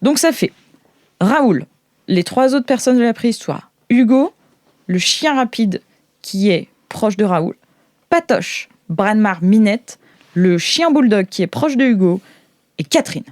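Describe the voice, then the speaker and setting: A woman's voice: mid-range voice, lively intonation, unhurried, darkish tone, no echo, studio quality. A woman running an improvised tabletop role-play game as game master, talking informally and hesitantly with playful little sound effects.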